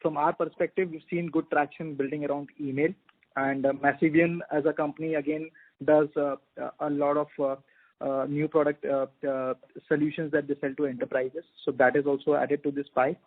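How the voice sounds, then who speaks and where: A man with an Indian accent, a company executive explaining results on a call, very halting with many uhs and restarts. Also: a little high, level tone. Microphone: telephone conference call. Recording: tinny narrowband phone line.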